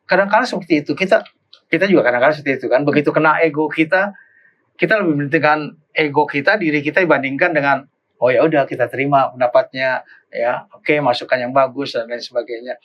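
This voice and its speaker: A man's voice: on the high side, muffled recording. A man, a pastor, giving an informal Bible lesson at an easy pace, often repeating and restarting his phrases. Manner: unhurried, repeats and restarts phrases, acts out quoted remarks.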